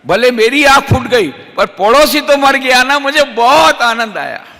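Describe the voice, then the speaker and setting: A man playing a poor, spiteful husband in a spoken parable, bright-toned and high-pitched, wailing over his neighbor's luck. The sound rings with long hall reverb. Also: measured pace, vocal fry, heavily acted. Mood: gleeful. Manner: wailing, lamenting loudly.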